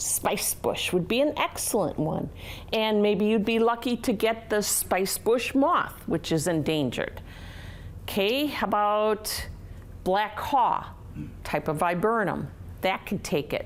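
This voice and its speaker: A woman with an American accent speaks fairly slowly at a fairly high pitch, her intonation lively and her loudness very even. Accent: Wisconsin accent (cheese remark). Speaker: extension educator. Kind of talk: workshop presentation.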